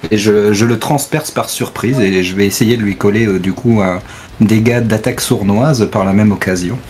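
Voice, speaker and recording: A man's voice: fairly low pitch, normal speed, a little mellow, slight background noise. A man playing a tabletop role-playing game, chatting casually about his character's moves.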